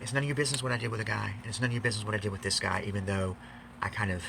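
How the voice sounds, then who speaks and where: A man's voice: fairly low pitch, fairly even intonation, racing, creaky, noisy background. A man talking confessionally to fans in a campy, theatrical, emphatic way, repeating phrases for effect. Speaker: video blogger.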